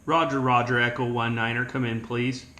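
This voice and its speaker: Bright, echoey man making test calls. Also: mid-range voice, flat delivery, moderate pace. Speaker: host demonstrating a walkie-talkie. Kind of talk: short radio-style test calls. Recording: roomy echo with faint noise.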